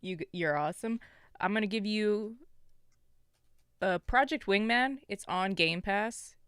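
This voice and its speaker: A woman's voice: medium pitch, measured pace, a bit bright, clean tone, no room sound, studio quality. A woman from Canada co-hosting a gaming podcast in casual, chatty talk. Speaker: podcast co-host.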